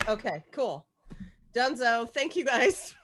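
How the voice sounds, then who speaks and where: A woman's voice: on the high side, slow pace, a little hiss or hum. A woman chatting casually and playfully as she hands out parts for a group script read on a video call. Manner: playful, excitable, casually sweary. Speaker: organizer of an online script table read.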